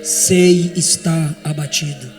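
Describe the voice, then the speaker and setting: A Brazilian man in his eighties with a Brazilian Portuguese accent, preaching a fervent sermon, often shouting and stretching out emphatic phrases. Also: on the high side, slow pace, in a large hall, soft background music. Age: 80s. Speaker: pastor. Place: large church.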